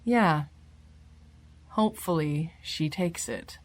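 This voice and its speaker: An actress playing a candid, businesslike senior law enforcement chief in an audio drama. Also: female voice, low-pitched, slow pace, a little hiss or hum. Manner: businesslike, frank.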